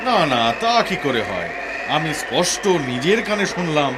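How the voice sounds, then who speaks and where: A man voicing an easygoing, gently scolding male god and husband in an animated comedy, with theatrical, drawn-out emphasis. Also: a little high, very noisy. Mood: insistent. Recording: loud background music.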